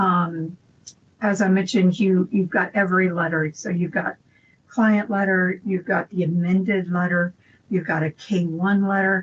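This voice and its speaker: A woman with an American accent speaks at a moderate pace and medium pitch, somewhat breathy, with fairly even intonation. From US South, Georgia. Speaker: accountant, tax software trainer; software trainer. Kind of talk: software tutorial webinar; tutorial. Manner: conversational, with fillers.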